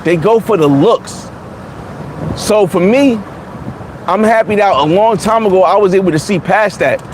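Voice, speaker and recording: Forty-something man, high-pitched, blunt and repetitive vlogger, faint street noise behind. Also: moderate pace, poor audio. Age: 40s. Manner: blunt, repetitive, many restarts. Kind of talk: casual livestream chat reading comments.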